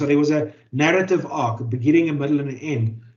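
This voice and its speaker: A man with a South African accent at a very fast pace, with a fairly high pitch and fairly even intonation. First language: Afrikaans. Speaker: author and journalist. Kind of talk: interview. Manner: hesitant, many repetitions.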